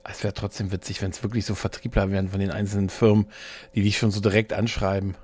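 A man's voice: fairly low pitch, level tone, fast, darkish tone, breathy edge. A man chatting casually as a podcast host, rambling and jokey, often interrupting himself. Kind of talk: casual chat about games and films.

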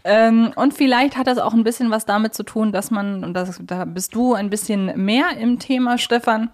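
A woman's voice: on the high side, moderate pace. A woman hosts a podcast in a casual, conversational way. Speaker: podcast host.

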